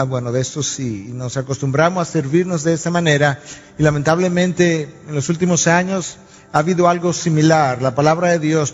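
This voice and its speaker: Preacher in a reverberant hall. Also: male voice, a little high. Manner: storytelling preacher, acts out dialogue and sound effects. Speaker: pastor. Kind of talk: sermon. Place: church sanctuary. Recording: dull lo-fi recording in a reverberant hall.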